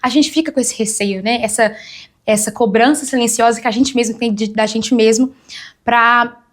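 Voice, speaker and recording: A woman's voice: fairly high pitch, steady tone, moderate pace. A young woman, telling her testimony as a guest on a church talk show and acting out the voices of people she quotes. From Brazil.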